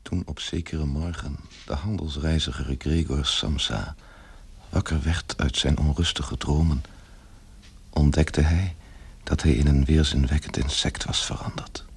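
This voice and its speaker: A man narrating a literary radio play in a measured, grave manner with a gravelly, husky voice. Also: extremely low pitch, steady tone.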